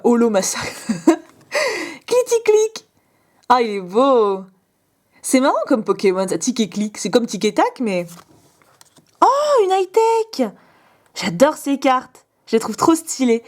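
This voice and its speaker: A young woman vlogger with a fairly high voice opens fan mail while chatting casually with her viewers. Gushing over each item, she makes quick exclamations and little asides to the camera in this unboxing chat.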